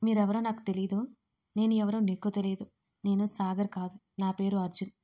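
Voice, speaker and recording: A woman voicing a stern, short-tempered young man who scolds loudly and speaks curtly. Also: mid-range voice, flat delivery, normal speed, lightly acted. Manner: scolding, loud and curt.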